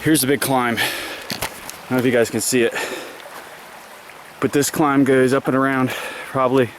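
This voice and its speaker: Man, mid-pitched voice, casual trail vlog, talking while running, slightly winded, clear outdoor noise. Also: level tone, a little slow. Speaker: trail runner vlogging his run. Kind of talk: casual vlog commentary to camera. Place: outdoors on a rocky wooded trail.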